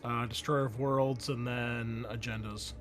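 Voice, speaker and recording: A man working as game master, narrating a tabletop roleplaying game in a halting, conversational way. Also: medium pitch, steady tone, a bit bright, slight background noise.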